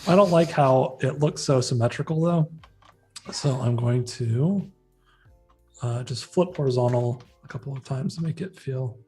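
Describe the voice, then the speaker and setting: A man's voice: medium pitch, moderate pace, a little mellow, faint music behind. A man co-hosting a live stream, chatting casually, laughing often and reading out viewer comments as he works. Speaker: livestream co-host. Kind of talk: casual live-stream chat while working.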